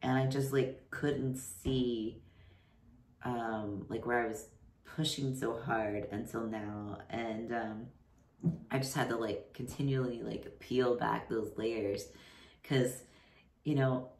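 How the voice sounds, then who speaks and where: A man in his thirties chatting casually to his camera, rambling with lots of "like" and "you know", his voice deepening mid-transition. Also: steady tone, slow pace, darkish tone, a little hiss or hum. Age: 30s. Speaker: vlogger. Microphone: camera mic. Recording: roomy echo, voice somewhat far from mic.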